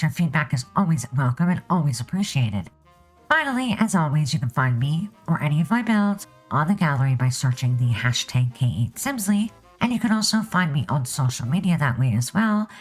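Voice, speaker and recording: A woman with a husky voice and a cold, narrating a game speed build in a chatty voiceover. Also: sits low, big pitch swings, brisk, soft background music, rough recording. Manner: chatty, upbeat sign-off. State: losing her voice, has a cold.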